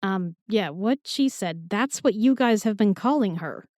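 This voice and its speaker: A woman's voice: mid-range voice, lively intonation, measured pace, a little mellow, dry recording, studio quality, lightly acted. Blunt, swooping young woman, acted. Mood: sceptical. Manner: brash, casual modern speech. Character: blunt, sweary, sceptical young woman from another world. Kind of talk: fantasy audio drama acting.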